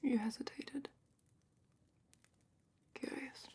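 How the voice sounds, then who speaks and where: A woman playing a calm, probing dragon-academy examiner in a whispered ASMR roleplay, speaking softly and deliberately with thoughtful pauses. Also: high-pitched, voice pushed up, exaggerated voice. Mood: probing, appraising. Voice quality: soft, breathy whisper.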